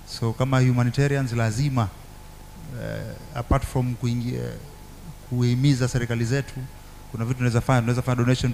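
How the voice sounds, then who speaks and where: A man's voice: mid-range voice, a little mellow, a little hiss or hum. A man with an East African accent, a native Swahili speaker, speaking earnestly as a guest in a talk show discussion. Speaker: panel guest. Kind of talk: talk show discussion, mixing two languages.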